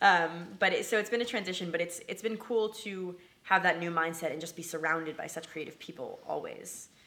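With an unremarkable speaking voice, a woman talks at a fairly quick pace and fairly low pitch, showing ordinary pitch variation and big swings in loudness. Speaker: college student and aspiring film actor.

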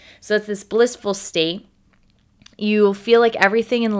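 Speaking at a fairly slow pace with an American accent, a woman at medium pitch sounds animated, captured in a very clean recording with a silent background. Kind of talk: solo podcast monologue.

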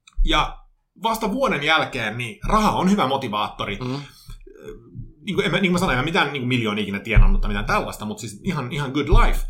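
Audible room echo surrounds a man who talks fairly quickly at a fairly high pitch, with very wide pitch swings. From Sweden, Stockholm suburb (Sweden Finn). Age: 40s. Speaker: writer and entrepreneur. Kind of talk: casual chat. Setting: café.

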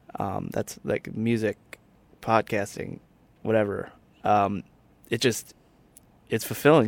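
Very slow speech from a man with a fairly low pitch and long, frequent pauses. The sound is dry and close, with no echo. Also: fairly even intonation. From Filipino heritage. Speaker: podcast producer and host. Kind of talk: casual chat. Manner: halting.

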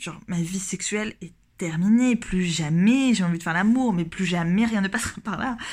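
Medium pitch from a woman, with ordinary rises and falls. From Normandy, France. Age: 30s. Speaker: listener giving testimony. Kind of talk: recorded testimony. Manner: halting.

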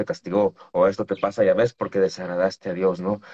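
With ordinary pitch variation, a man uses a normal speaking voice at a moderate pace. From Ecuador. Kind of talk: casual chat. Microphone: connection cutting out.

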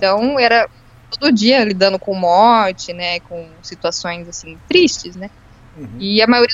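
A woman speaks at a moderate pace in a plain, everyday voice, her fairly high pitch carried by lively intonation. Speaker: cycle traveller. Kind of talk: casual interview chat.

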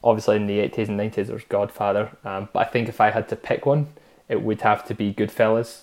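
A man with a Scottish accent speaks at a fairly quick pace. His fairly low voice has a monotone, flat intonation. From Scotland. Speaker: podcast co-host. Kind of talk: casual chat.

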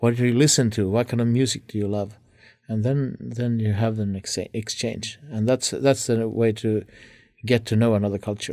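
Fairly even intonation and a dark, mellow tone come through on a very clean recording with a silent background. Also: man. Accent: Finnish. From Finland. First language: Finnish. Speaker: accordionist and music teacher. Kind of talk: interview. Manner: hesitant, many fillers.

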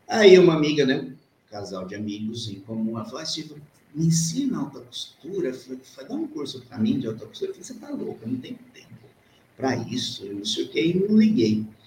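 A man with a fairly high pitch talks at a fairly quick pace, with very wide pitch swings and big swings in loudness. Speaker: fashion patternmaker and sewing teacher. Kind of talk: interview.

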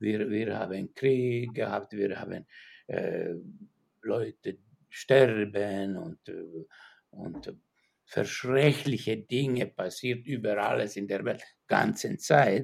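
A man speaks in a Finnish accent at a medium pitch with ordinary pitch variation. His pace is very slow, with long, frequent pauses. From Finland. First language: Finnish (speaking German). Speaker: psychiatrist and psychotherapist. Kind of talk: interview. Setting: remote call from his studio. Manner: halting.

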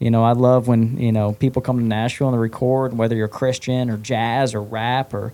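A man with an American accent at a fairly quick pace, monotone and flat, with hardly any pauses. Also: medium pitch for a man. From US Midwest (Omaha, Nebraska). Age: 20s. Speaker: singer-songwriter. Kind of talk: casual chat. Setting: front porch, outdoors.

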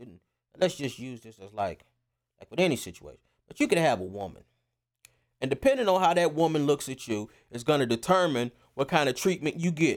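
A fairly quick delivery with lively intonation, long and frequent pauses, and big swings in loudness, on a very clean recording with a silent background. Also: man, fairly high pitch for a man. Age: 30s. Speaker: navy veteran and rapper. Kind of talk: casual chat. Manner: halting, repeats words.

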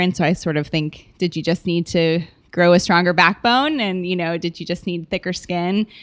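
In a plain, everyday voice, a woman talks at a moderate pace with fairly low pitch and ordinary pitch variation against a quiet background. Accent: American. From Oklahoma, small town. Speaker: nonprofit marketing director. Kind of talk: interview. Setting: studio.

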